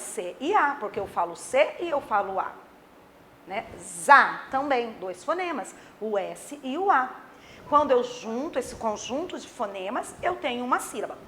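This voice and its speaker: A woman teacher explains a grammar lesson to children in a high, animated voice. She voices her pupils' questions herself. Faint background noise sits under a slightly distant mic at times. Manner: plays imagined pupils' questions.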